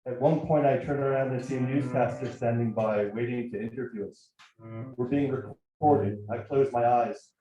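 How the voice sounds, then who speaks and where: Man, literary reading, measured and reflective, mellow tone, heavy room echo. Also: medium pitch. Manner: measured, reflective reading of first-person prose. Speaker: actor reading a writer's piece. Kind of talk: literary reading at a live event. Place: bar event space, indoors. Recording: very echoey room, faint music.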